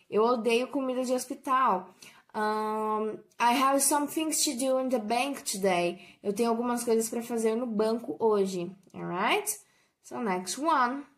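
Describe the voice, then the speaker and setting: A young Brazilian woman teaching English vocabulary, saying each word slowly and clearly and checking in with "alright?". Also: on the high side. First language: Portuguese. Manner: slow, drawn-out model pronunciation, tag "alright?" after each example. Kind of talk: bilingual vocabulary lesson.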